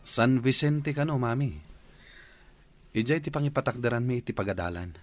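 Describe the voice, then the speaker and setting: A calm, low-key grown son in a radio drama, voiced by a man. His voice sits in an ordinary middle range and he talks plainly to his mother. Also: moderate pace, soft background music, natural voice.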